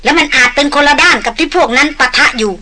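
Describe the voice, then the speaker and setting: A woman reading a quick, pressing woman doctor. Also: sits high, bright, forceful tone. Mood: anxious.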